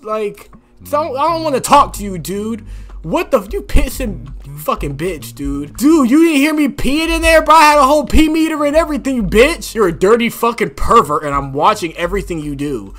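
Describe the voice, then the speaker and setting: Loud, animated young male streamer. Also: very high voice, moderate pace. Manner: loud, profane, joking, excitable. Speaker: gaming streamer. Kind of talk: let's play commentary.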